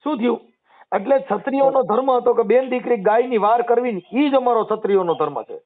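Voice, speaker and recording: Man explaining over a phone line. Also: very high voice. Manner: explains folk verses and history, chanting couplets slowly. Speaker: social media personality taking calls. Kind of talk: phone call discussion. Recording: tinny phone call recording.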